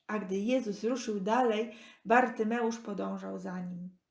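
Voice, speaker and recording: Slow, echoey woman storyteller. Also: mid-range voice, gravelly. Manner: expressive, deliberate phrasing with pauses. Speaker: narrator. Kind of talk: scripted children's Bible storytelling. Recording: echoey room.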